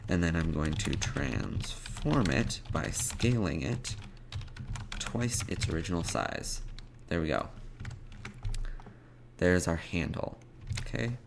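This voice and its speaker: A man's voice: low voice, expressive, slow, vocal fry, long pauses. A man presenting a programming tutorial, thinking aloud in short fragments as he narrates live coding without a script. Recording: noisy, with keyboard typing and mouse clicks. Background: keyboard typing and clicking.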